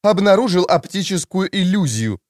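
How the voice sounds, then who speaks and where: A man voicing a shrill, indignant woman who complains with outrage. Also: big pitch swings, moderate pace, a little mellow, no room sound, studio quality. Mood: outraged.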